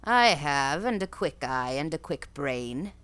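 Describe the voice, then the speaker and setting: Lady putting on a harsh old gypsy crone, low voice, slow and heavy, audiobook. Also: expressive, a bit bright, smooth, no echo, exaggerated voice. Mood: mocking. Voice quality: harsh, deliberate. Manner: slow, low, emphatic pronouncements. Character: harsh old female gypsy fortune-teller.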